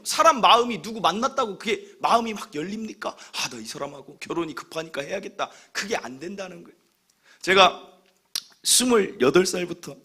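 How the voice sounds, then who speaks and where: A man in his thirties, a pastor preaching a sermon, telling stories with animated humor and acting out what other people say. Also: high voice, breathy edge. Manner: acts out other people's remarks.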